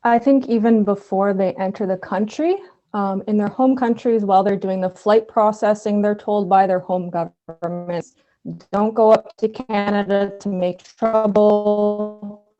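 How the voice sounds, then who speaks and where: A woman organizer speaks on a panel over a dull, lo-fi video call. Her voice is dark and mellow, and she talks firmly as an advocate, stacking her points one after another. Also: medium pitch, fairly even intonation, measured pace, soft background music. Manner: firm, advocating, builds up lists. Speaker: migrant worker organizer. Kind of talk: panel discussion.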